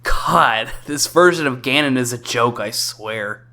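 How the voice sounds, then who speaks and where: A man's voice: medium pitch, a little slow, bright, forceful tone, faint music behind. A man giving casual, informal video game commentary as a review host, mildly sweary.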